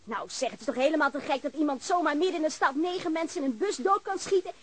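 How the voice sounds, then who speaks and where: A woman's voice: high voice, fast, natural voice. An actress playing a policeman's frank wife in a naturalistic radio drama, sardonic, playful and outspoken, teasing and eager by turns. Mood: sarcastic, indignant.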